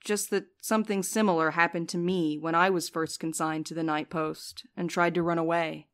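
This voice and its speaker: A woman acts a jaded young female courier in a fiction podcast. Her voice sits on the low side and sounds weary. She speaks with dry sarcasm. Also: fairly even intonation, moderate pace, natural voice. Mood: confessional, bitter. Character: jaded, sardonic, sleep-deprived young woman courier named Val. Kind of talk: audio fiction podcast acting.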